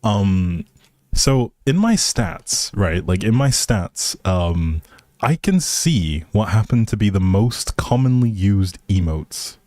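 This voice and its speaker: A man with a fairly low voice talks as a livestream host, informal and chatty. He speaks directly to his viewers in a casual way. The sound is dry and close on the microphone. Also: lively intonation, takes it slowly, a little mellow, no room sound.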